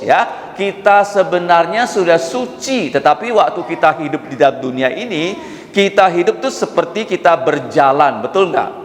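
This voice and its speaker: A man teaching children in church, animated and asking them questions again and again. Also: fairly high pitch. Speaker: children's Sunday school teacher. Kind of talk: children's sermon. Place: church hall. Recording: echoey church hall with long reverb.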